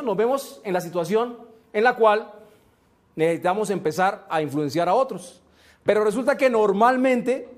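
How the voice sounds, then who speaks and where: A man giving a motivational seminar talk, slow and emphatic, often asking rhetorical questions. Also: sits high. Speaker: motivational speaker.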